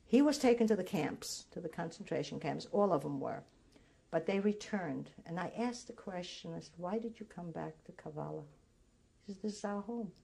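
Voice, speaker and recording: An older Greek woman, a native speaker of Greek, recalls her past in an oral history interview, halting and starting over as memories return. Her deep voice is gravelly and dark, with a breathy edge.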